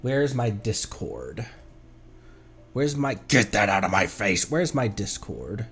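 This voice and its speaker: Male streamer for casual gameplay talk; unhurried, rambling, animated pitch, light music behind. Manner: rambling, muttering to himself, playful. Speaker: streamer, VTuber host. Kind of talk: casual live gameplay commentary. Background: game music.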